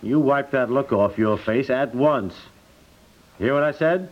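A man playing an excitable, emphatic, blustering husband and father in a 1950s radio comedy. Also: mid-range voice, unhurried, lightly acted. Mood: stern, indignant. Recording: muffled 1950s radio recording.

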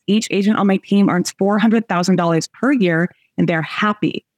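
With a lowish, slightly mellow voice and no echo, a woman in her forties leads a motivational coaching session as host. She's talkative and emphatic, laughs a lot, and speaks straight to the people listening.

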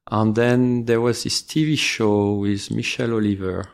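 A man's voice: on the low side, fairly even intonation, moderate pace, creaky, smooth. A man from Normandy with a French accent, a pastry chef answering interview questions with many hesitations. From France, Normandy. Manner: hesitant, many filler sounds. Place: venue on a city pier.

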